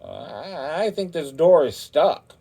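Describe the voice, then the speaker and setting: A man's voice: on the high side, big pitch swings, slow, creaky, warm tone, husky, exaggerated voice. A man voicing a polite, wary little pig in a children's story, with a mild, sing-song way of talking. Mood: hesitant, evasive.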